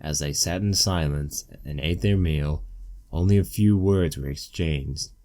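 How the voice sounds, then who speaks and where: Male story narrator, deep and soft-edged, scripted read. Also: measured pace. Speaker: narrator of a fan fiction reading.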